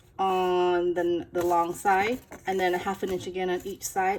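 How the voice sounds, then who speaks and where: Speaking at a fairly slow pace, a woman uses a normal speaking voice at medium pitch. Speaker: paper craft YouTuber. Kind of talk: casual chat; tutorial. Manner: many fillers and restarts.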